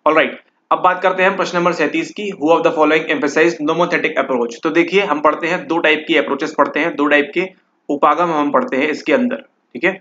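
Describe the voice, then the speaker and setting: Talking fast with a sharp, steady tone and a slightly high pitch, a man explains exam questions. He mixes Hindi with English, checks on the listener constantly with a repeated "ठीक है," and the lo-fi audio sounds slightly dull.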